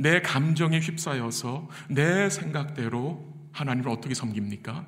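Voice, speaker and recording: A man's unremarkable speaking voice, fairly high in pitch, with ordinary pitch variation. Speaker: pastor. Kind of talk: sermon preaching, mixing Korean with English terms. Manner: earnest, explanatory, addressing congregation.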